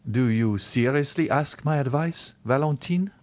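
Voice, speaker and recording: A man's voice: medium pitch, unhurried, a little hiss or hum, voice pushed up, natural voice. Man playing a proud, desperate young lover. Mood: wounded, bitter. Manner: earnest, formal, intense. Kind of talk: dramatized audiobook reading of a classic novel.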